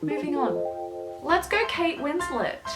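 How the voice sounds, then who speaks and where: A young Australian woman with an Australian accent, giving sarcastic, animated commentary. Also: high voice, slow. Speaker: youtuber. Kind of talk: casual commentary. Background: background music.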